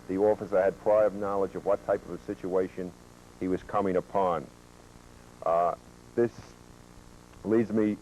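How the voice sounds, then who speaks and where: A man who is a police officer giving a training lecture, presenting statistics in a measured way with occasional fillers, heard from a worn VHS tape copy. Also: on the low side, dark tone, low-quality recording. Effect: worn VHS tape copy with hum.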